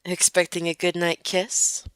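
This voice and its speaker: A woman acting a poised young noblewoman in a fan audio drama, formal and wry, with measured wording. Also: on the low side, completely flat delivery, a bit bright, smooth, no echo. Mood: gently teasing.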